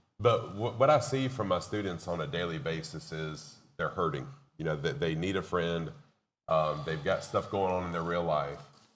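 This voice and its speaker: Audible room echo surrounds a man's very deep, low voice as he talks at a moderate pace with lively intonation. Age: 50s. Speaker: streamer and college teacher. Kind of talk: panel discussion.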